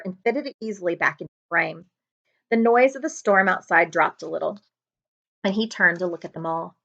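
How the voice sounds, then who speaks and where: A woman reading a children's book aloud as a librarian would, in an expressive narrating style. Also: on the low side, lo-fi sound.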